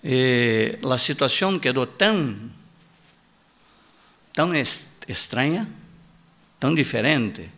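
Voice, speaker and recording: Male preacher, native Portuguese speaker, slow and emphatic sermon delivery, gravelly fry in the voice, halting Spanish. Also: mid-range voice, lively intonation, sharp tone. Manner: repetitive emphatic preaching, acts out quoted voices.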